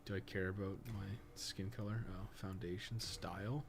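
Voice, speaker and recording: A man with a fairly low voice talks casually through a video game. He rambles in a blunt, offhand grumble and swears freely. There is clear noise behind his voice. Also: steady tone, normal speed. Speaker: podcast co-host playing a video game. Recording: clearly noisy background behind the voice.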